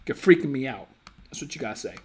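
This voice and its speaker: A man hosts a casual live stream, answering viewer comments as a dating coach. He teases, jokes and speaks in loose slang straight to his audience. His voice sits in an ordinary middle pitch, picked up by a computer mic. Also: quick pace, breathy edge. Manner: playful, teasing, addresses viewers directly with slang.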